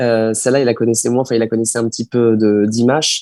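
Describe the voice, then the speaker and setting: A man speaks very fast at a medium pitch. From Rouen, Normandy, France. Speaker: singer and architect. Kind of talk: interview answers, casual. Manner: casual, hesitant.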